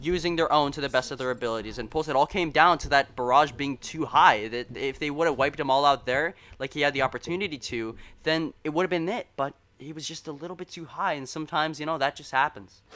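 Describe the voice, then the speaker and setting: Bright-voiced excited esports play-by-play man. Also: a little high. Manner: fast, excited play-by-play that rises at big moments; self-deprecating and chatty with co-caster. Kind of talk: live esports commentary.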